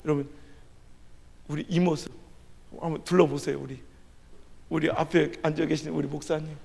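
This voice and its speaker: A male pastor preaching a revival sermon in a large church hall, telling a personal story and swinging from soft to loud. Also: on the high side, level tone, normal speed, creaky, husky. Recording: echoey hall with long reverb.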